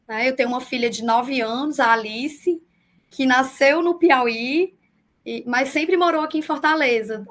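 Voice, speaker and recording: Over a video call, a woman in her forties who works as a public defender gives remote interview answers in a high, light, fairly bright voice. She explains at a measured pace, sprinkling in small fillers, and her accent mixes southern and northeastern Brazilian Portuguese.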